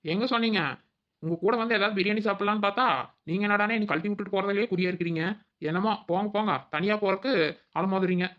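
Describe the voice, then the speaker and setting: A cheeky young daughter-in-law in a cartoon, played by a woman, whining and needling in a quick, mid-pitched voice. The sound is a bit dull and lo-fi. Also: steady tone, lightly acted. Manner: whiny and cheeky. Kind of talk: cartoon voice acting.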